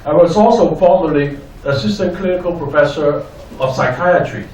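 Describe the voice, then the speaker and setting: Older man, very slow lecture delivery, distant echoey noisy recording. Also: on the high side, darkish tone. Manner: deliberate, simply worded. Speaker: guest lecturer, clinical psychologist. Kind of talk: lecture given in short phrases for an interpreter. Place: echoey indoor venue.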